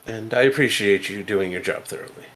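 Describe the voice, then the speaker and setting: A man's voice: on the low side, fairly quick, fairly bright tone. A man playing a tabletop role-playing game, giving short, casual replies in and out of character.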